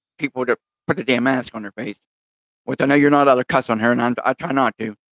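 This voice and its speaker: A man with an American accent talks at a very fast pace in a medium pitch, with ordinary pitch variation. The sound is dry and close, with no echo. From West Virginia. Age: 40s. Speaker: podcaster. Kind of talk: casual monologue. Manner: halting, many repetitions; animated.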